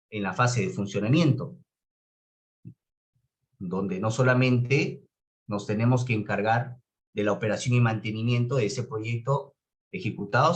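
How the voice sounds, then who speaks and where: A man with a Peruvian Spanish accent teaching a class in a didactic way, stressing key words and checking that students follow. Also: medium pitch. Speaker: course instructor. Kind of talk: online lecture on public administration.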